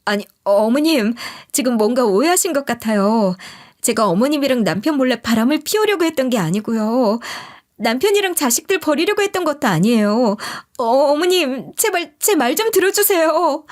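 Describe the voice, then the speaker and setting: Audio story role: scheming young daughter-in-law, played by a woman, raised pitch, whiny protests and pleas. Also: lively intonation, moderate pace. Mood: flustered pleading.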